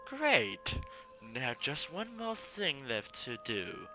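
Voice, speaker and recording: A haughty villainess from a visual novel, acted out by a man. She is cruel, seductive and sure of herself, giving orders with pride while loud music plays behind. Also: mid-range voice, wildly swooping pitch, extremely slow, pitched above the performer's own voice, heavily acted. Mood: gleeful, scheming. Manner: haughty, commanding. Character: proud, cruel, seductive female villain with eerie confidence. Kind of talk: amateur visual novel read-aloud.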